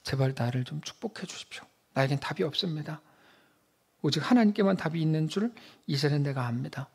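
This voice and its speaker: A man preaching voices a desperate biblical patriarch begging for a blessing, in a lower, hushed voice. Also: lively intonation, a little fast, creaky, husky, heavily acted. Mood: pleading. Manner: hushed, lower and softer than his preaching.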